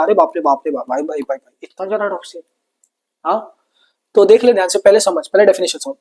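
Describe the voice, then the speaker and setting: A man's voice: sits high, darkish tone. A man teaching a science lesson in a chatty, repetitive way, calling his students brother and mixing in English with an Indian accent. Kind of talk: online exam-prep lesson.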